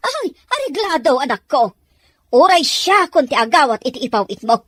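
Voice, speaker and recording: A woman's voice: high-pitched, very animated, a bit bright, no room sound, clean studio sound. A woman playing a money-grasping, gossipy mother-in-law in an audio drama, exclaiming and drawling with a Filipino accent. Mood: gloating, wheedling. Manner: exclamatory, drawn-out wheedling and scolding. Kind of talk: Ilocano audio drama acting.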